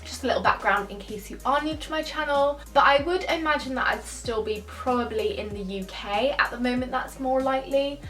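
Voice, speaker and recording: A woman's voice: sits high, brisk, hardly any pauses, fairly bright tone, recorded from a distance. A twenty-year-old woman who grew up in Spain, chatting casually through viewer questions and thinking aloud as she goes. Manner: chatty, thinks aloud, laughs now and then. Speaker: YouTuber answering viewer questions. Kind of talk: casual Q&A chat. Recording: echoey room, voice a bit off-mic, faint music.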